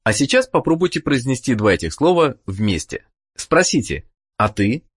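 A man narrating a language course, giving the listener clear prompts and questions to answer. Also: mid-range voice, big pitch swings, moderate pace. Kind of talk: scripted instructional narration.

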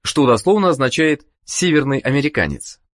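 A narrator giving calm, instructive prompts to learners in a language course. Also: mid-range voice, brisk.

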